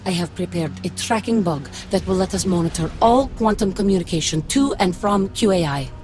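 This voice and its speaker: A woman's voice: fairly low pitch, expressive, a little fast, lightly acted. An actress playing a stern, formal female military commander in a game cutscene, speaking in clipped orders over music. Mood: briefing. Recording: game audio with loud music behind.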